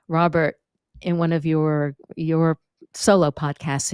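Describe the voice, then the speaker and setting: A woman from New York, a speaking and vocal coach, chatting as a guest on a podcast with an expressive, lively teaching manner. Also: on the low side, smooth, no room sound, clean studio sound. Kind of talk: conversational podcast interview.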